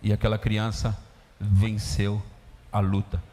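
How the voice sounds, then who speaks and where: A Brazilian man, a pastor, preaching a sermon in an animated storytelling way, acting out scenes in a church. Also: on the low side, takes it slowly. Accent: Brazilian Portuguese. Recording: echoey church hall.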